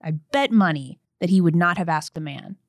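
A young woman attorney telling a personal story in an earnest podcast conversation, growing animated as she recounts events. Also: lowish voice, moderate pace, no echo, studio quality.

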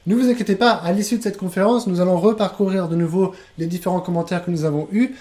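A man's voice: sits high, steady tone, quick pace, warm tone. A man hosting a live online webinar as a trainer, talking enthusiastically and rambling with restarts.

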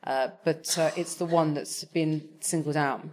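A woman's voice: low-pitched, fairly even intonation, unhurried, darkish tone. A woman talking on a panel, hesitant, with many fillers and restarts. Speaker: TV executive on a panel. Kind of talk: conversational panel talk.

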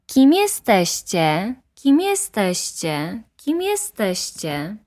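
A woman voicing a mountain echo that repeats words slowly and trails off in a storybook reading. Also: medium pitch, wildly swooping pitch, darkish tone, pitched above the performer's own voice, heavily acted. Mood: hollow, fading.

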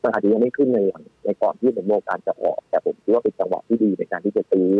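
A man giving casual, animated stock-market talk as a guest analyst, with many restarts and fillers. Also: on the low side, rapid-fire, husky, no room sound. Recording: tinny phone-line audio, faint music.

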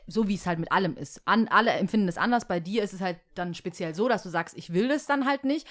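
A woman's voice: mid-range voice, animated, quick pace, fairly bright tone. A woman co-hosting a casual conversation, speaking thoughtfully and hedging her views. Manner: thoughtful, hedging, with frequent agreeing murmurs. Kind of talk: casual chat.

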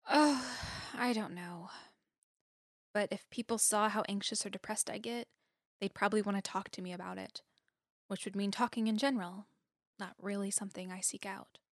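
A woman's voice: medium pitch, fairly even intonation, moderate pace, no echo, clean studio sound, lightly acted. A woman playing an anxious but determined young student in an audio drama, understated and wry. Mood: guarded, anxious. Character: anxious, determined young female student, dry wit, guarded. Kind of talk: audio drama acting, naturalistic dialogue.

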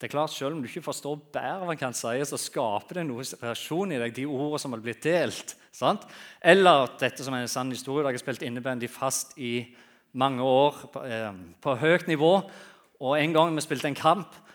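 Male guest preacher, animated storyteller, mid-pitched, loud then soft. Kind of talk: sermon with humorous anecdotes.

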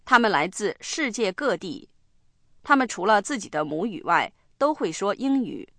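A woman hosting a radio language lesson, explaining slowly and spelling words out one letter at a time. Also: mid-range voice, big pitch swings, fairly bright tone, dry recording. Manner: slow, deliberate explaining and spelling. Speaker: language program host. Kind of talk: bilingual lesson narration.

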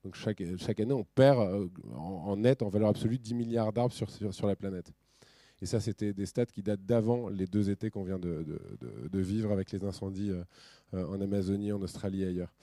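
A man speaking at a conference, talking over his slides in a loose, lively way, often restarting his sentences. His voice is warm and mellow, recorded close and dry with almost no room sound. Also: fairly low pitch, brisk, no echo. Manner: lively, many restarts and fillers.

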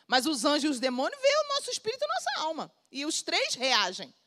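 A woman's voice: sits high, wildly swooping pitch, fast, pushed and bright. A woman pastor with a Brazilian Portuguese accent, preaching an emphatic, repetitive sermon.

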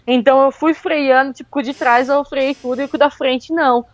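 Lively woman telling a story. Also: high voice, brisk, no echo. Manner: lively, with many fillers like "tipo" and "meu". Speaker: guest telling a travel story. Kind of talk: casual spoken storytelling.

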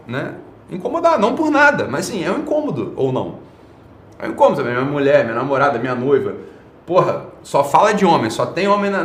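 A man hosting an online show delivers a blunt, casual opinion monologue packed with slang, swearing and rhetorical tag questions. His voice is fairly high, and the recording has a roomy echo and slight background noise.

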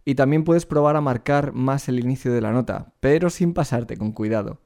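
A man with an ordinary middle-pitched voice leads a singing lesson. He explains each point clearly and speaks straight to the learner. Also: moderate pace, mellow. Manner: clear explanatory teaching, addresses the learner directly. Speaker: vocal coach.

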